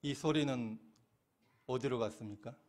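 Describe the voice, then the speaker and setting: A man's voice: mid-range voice, a little slow, darkish tone. Man preaching, quizzing his congregation. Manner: asks questions and answers them himself, laughing now and then. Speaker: Won Buddhist minister. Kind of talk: sermon with questions to the congregation.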